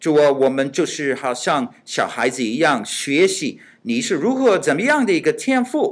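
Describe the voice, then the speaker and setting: A man with an English accent talks at a moderate pace, using very wide pitch swings. Hardly any pauses break his speech in this very clean recording with a silent background. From United States. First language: English (speaking Chinese). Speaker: pastor. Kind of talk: church teaching class. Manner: halting, many fillers.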